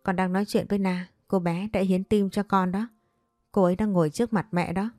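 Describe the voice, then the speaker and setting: A woman's voice: mid-range voice, fairly even intonation, fairly quick, darkish tone, no room sound, soft background music, close to an everyday voice. A woman voicing an earnest haunted young man.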